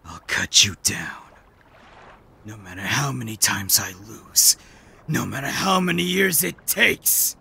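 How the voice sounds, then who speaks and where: Man as slow, forceful anime swordsman. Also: lowish voice, expressive, vocal fry, slightly rough, exaggerated voice. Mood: vengeful. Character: grimly determined, wry swordsman. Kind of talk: fan dub of anime game.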